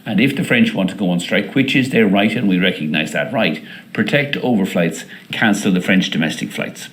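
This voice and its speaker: A man presenting company results as an airline executive, semi-scripted, in a deliberate, hesitant delivery with frequent pauses. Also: low-pitched.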